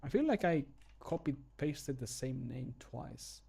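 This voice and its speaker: A man talks casually on a livestream as he works at his desk. His voice sits at a medium pitch. He often mutters to himself and has a self-deprecating way of talking. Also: sing-song, unhurried, creaky, warm tone, husky. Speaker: game modder recording his own voice lines, streamer. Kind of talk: casual livestream commentary while working. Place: indoor room at a computer desk.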